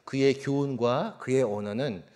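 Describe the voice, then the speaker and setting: A male pastor preaching a sermon. He asks the congregation questions, reads scripture aloud with a raised voice, and lets his phrase endings fall soft. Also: medium pitch. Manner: slows and drops soft at phrase ends.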